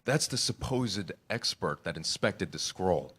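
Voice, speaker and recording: A man's voice: deep voice, lively intonation, unhurried, a bit bright, slightly rough, exaggerated voice. A man playing a sardonic, conspiratorial schemer in a staged comedy reading. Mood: bitter, scheming. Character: scheming, sardonic male schemer on a stealthy mission.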